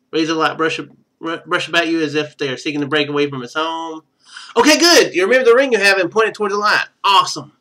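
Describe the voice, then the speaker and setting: Bright-voiced man streaming a game. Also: a little high. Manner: thinks out loud, muttering to himself. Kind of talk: casual live game commentary, reading on-screen text aloud.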